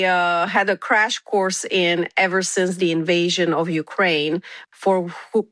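A woman, an immigration attorney answering interview questions in a measured way, pausing often with fillers. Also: lowish voice, fairly bright tone, dry recording. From Romania. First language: Romanian. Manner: measured, with frequent filler pauses.

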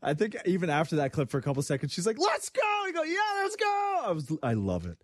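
A man's voice: a little high, quick pace, no room sound, studio quality. A man hosting a sports talk show, chatting casually and acting out the voices he quotes. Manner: animated, acts out quoted voices. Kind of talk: casual chat.

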